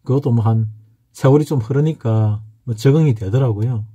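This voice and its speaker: A man's voice: mid-range voice, normal speed, warm tone, husky. A middle-aged man giving a casual, anecdotal spoken lecture on fortune-telling, chatting as he drifts into side stories.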